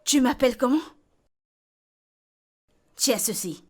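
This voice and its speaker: Bold outspoken woman, blunt, insistent, fairly high voice, film dub. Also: lively intonation, slow, husky, exaggerated voice. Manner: blunt, repeats herself insistently. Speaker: Vicky, friend tending a beaten woman.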